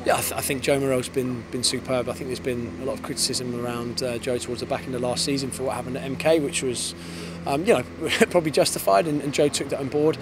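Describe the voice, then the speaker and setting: A man in his thirties, an English football head coach, giving a post-match interview outdoors on a floodlit pitch at night, fast and thoughtful with many restarts. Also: fairly even intonation. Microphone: handheld interviewer mic. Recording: outdoor with clear background noise.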